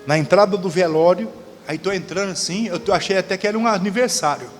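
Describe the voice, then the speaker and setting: A man's voice: sits high, fast. A man with a Brazilian accent, a pastor, preaching and telling stories while calling on the congregation to answer. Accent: Brazilian Portuguese. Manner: storytelling with call-and-response to the congregation. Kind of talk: Pentecostal-style sermon. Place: church hall during a service. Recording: audio of a church service with long reverb and music.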